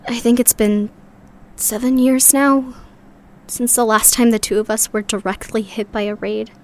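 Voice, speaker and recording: A woman's voice: a little high, lightly acted. A woman playing a weary, loyal member of a sci-fi underground community in an audio drama, speaking in a reflective, earnest way. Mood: weary, resigned.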